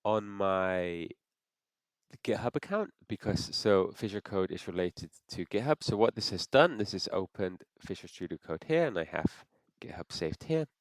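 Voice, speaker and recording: Low-voiced guy with a stuffy cold doing a screen tutorial, lots of ups and downs in his voice, stops and restarts, dry close mic. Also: expressive, moderate pace, no room sound. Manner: thinks aloud with frequent restarts. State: congested from a cold. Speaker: software tutorial presenter. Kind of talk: screen-recorded how-to walkthrough.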